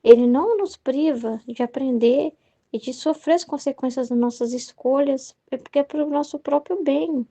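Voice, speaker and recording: Leading a Catholic study, a young Brazilian woman talks through a devotional book in a wandering way, constantly adding "né?" and "entendeu?". Her Brazilian Portuguese accent comes through in a high, warm voice at a moderate pace.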